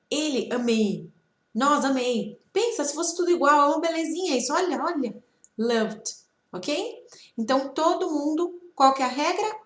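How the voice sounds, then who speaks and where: A Portuguese-speaking woman with a Brazilian accent teaching a grammar lesson, patiently repeating words slowly for learners. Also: on the high side. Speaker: English teacher. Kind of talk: online lesson, explaining grammar. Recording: echoey room.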